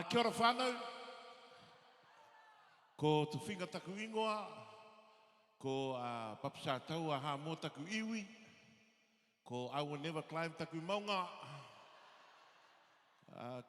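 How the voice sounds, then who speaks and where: A man works a theatre crowd with relaxed, self-mocking stand-up, full of ums and you-knows. His slightly high voice travels through the long reverb of a large hall. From New Zealand, Samoan family. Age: 50s. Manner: laid-back, self-deprecating, many fillers. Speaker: stand-up comedian. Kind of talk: stand-up comedy set. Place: theatre stage.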